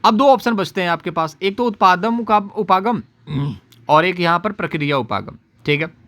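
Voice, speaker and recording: A man's voice: sits high, expressive, bright, forceful tone. A man teaching an exam-prep lesson, who keeps repeating the key answers and tells his students to remember them. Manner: explains fast, repeats key answers and says "याद रखिएगा"; addresses students directly, quotes their comments. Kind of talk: exam paper analysis lesson.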